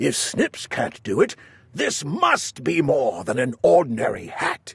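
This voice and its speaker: A man's put-on character voice at medium pitch, fairly slow, with a dry, close sound and no echo. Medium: read story. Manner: commanding.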